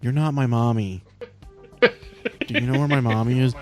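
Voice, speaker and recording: A man voicing an excitable, dramatic young vape-loving bro who rambles in slang and repeats himself. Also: medium pitch, normal speed, faint music behind, lightly acted. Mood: rambling, insistent.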